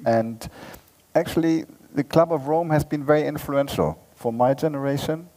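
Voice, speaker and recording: A man's voice: on the high side, moderate pace, mellow. A man moderating a conference panel, thanking speakers and handing over the floor courteously. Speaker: session moderator.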